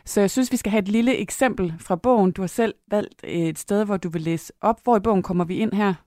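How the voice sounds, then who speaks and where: A woman interviewer who calmly guides the conversation about a book and asks questions. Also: mid-range voice, no room sound, clean studio sound. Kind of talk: radio interview.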